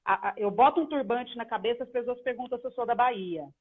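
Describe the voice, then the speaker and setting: A Brazilian woman interviewing casually on an online live call, often halting as she searches for words. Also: a little high, husky. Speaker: journalist, interviewer. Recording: tinny phone-like call audio.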